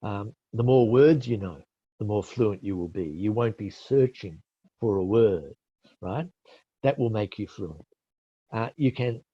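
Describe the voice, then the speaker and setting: Low-leaning and a touch rough, the voice belongs to a middle-aged Australian IELTS expert teaching a webinar and fielding questions. He is patient in his explanations, often corrects himself, and fills gaps with many fillers. Captured on a webinar call mic, the audio is dry, dull and lo-fi.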